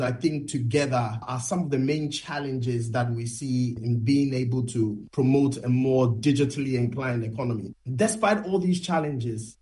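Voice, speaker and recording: A man's voice: mid-range voice, darkish tone. A man giving an explanatory interview answer as a company executive.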